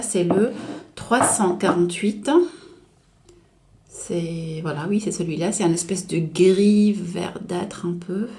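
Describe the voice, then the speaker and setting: A woman reviewing nail polish in a casual, chatty way, hesitating often and correcting herself, slowing down to spell out each shade name. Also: fairly low pitch, warm tone. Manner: chatty, hesitant, full of filler and self-corrections; slows down to read out shade names. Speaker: beauty vlogger.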